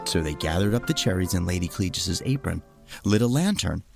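A man's voice: low voice, animated, fairly quick, vocal fry, music in the background. A man narrating a scripted fairy tale as a storyteller for all ages.

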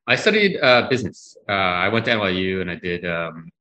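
A man in his thirties from Massachusetts, a guest answering thoughtfully with many pauses and fillers. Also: low-pitched, big pitch swings, pushed and bright. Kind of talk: conversational interview.

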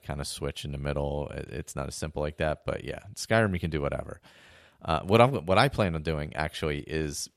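A man hosting a podcast, talking casually and rambling with many restarts, hoarse as he is losing his voice. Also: extremely low pitch, no echo, studio quality. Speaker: podcast host. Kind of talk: casual monologue.

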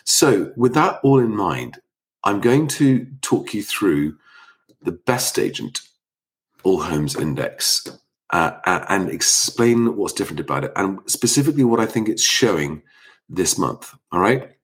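A man hosting an informal live stream, speaking quietly at night into a close microphone so as not to wake sleeping children, with a slight cold. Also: deep voice, sing-song, measured pace. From Sussex, England.

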